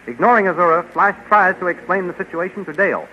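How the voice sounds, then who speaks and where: A man's voice: sits high, animated, fast talker, bright, forceful tone, slight background noise. A man announcing and narrating a 1930s radio serial in a formal, declamatory manner. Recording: dull lo-fi 1930s radio recording. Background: music.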